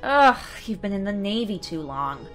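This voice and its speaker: A woman's voice: medium pitch, sing-song, normal speed, soft background music, natural voice. A woman acting a wry, stubborn, eager fleet leader in a sci-fi audio drama, with an informal, teasing manner. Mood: wry, playful.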